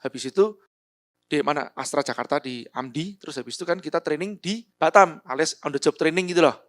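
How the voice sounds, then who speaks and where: A middle-aged man, a speaker with Javanese as his first language, telling a personal story in a lively, animated way. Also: a little fast. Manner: animated storyteller, voices quotes with big pitch jumps. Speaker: motivational speaker. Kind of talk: storytelling talk.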